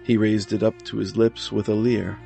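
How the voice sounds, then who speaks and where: A man reading scripted gothic horror narration in a dramatic, measured manner. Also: lowish voice, flat delivery, vocal fry, dark tone. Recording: music behind the voice.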